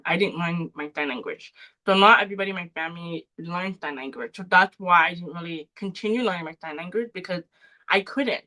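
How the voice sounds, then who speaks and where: A young woman with a soft voice, a podcast guest explaining her experiences earnestly in casual interview talk. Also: on the low side, low-quality recording. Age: young adult. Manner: earnest, explanatory, numbered points.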